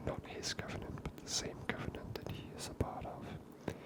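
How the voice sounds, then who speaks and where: Soft whispering game commentator. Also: moderate pace. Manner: soft, hesitant, musing with fillers. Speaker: gaming ASMR channel host.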